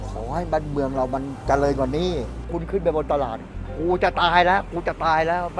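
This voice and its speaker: A middle-aged man in a street interview, talking bluntly and swearing freely. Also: a little high. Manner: rough-spoken, swears, laughs between points. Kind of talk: street vox pop, blunt and profane. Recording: music bed under the voice.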